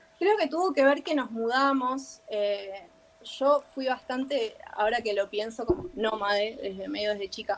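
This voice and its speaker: This woman speaks fairly slowly at a fairly high pitch, with noticeable noise in the background. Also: lively intonation. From Buenos Aires and Paraguay (moved to Asunción at 11). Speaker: Paraguayan harp performer. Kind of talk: casual interview.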